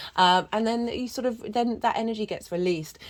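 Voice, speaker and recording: Recorded very cleanly against a silent background, a woman speaks with a British accent. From Britain. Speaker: tarot reader and astrologer. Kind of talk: tarot and astrology reading monologue. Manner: hesitant, many filler words.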